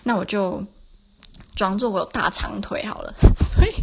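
On her casual solo podcast, this twenty-something host trades in chatty, self-mocking tales and laughs often. She speaks at a moderate pace in a gravelly mid-range voice, and the recording is very noisy.

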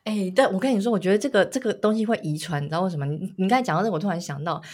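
Woman, podcast co-host, teasing, laughs often, mid pitch. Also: lively intonation, racing, a little mellow. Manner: teasing storyteller, bursts into laughter. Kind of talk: casual chat.

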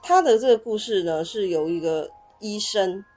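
A woman's voice: medium pitch, animated, moderate pace, a little mellow, soft background music. A woman with a Taiwanese Mandarin accent hosting a podcast in a casual, conversational style. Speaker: podcast host. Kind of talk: casual chat.

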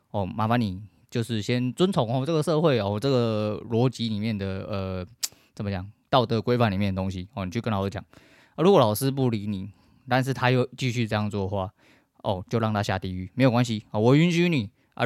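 A man's voice: on the low side, no echo, clean studio sound. A middle-aged man with a Taiwanese Mandarin accent, hosting a podcast in a blunt, profane, emphatic casual rant. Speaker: podcast host.

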